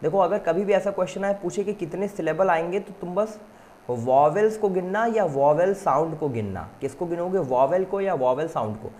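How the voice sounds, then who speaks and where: A man's voice: high voice, warm tone. Man teaching an exam-prep lesson. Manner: reads English slowly, explains fast in Hindi; calls students "beta".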